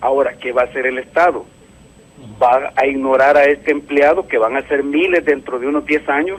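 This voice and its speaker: Over noticeable background noise, a man with a fairly high voice keeps a moderate pace. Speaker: caller. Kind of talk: call-in comment. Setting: phone call.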